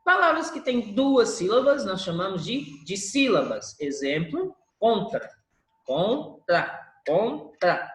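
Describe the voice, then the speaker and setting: A woman teacher gives a recorded review lesson. Her voice rises and falls a great deal, and she holds stressed syllables long to show how the words are stressed. The recording has a clear echo from the room. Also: medium pitch, big pitch swings, a little slow, few pauses. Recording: echoey room.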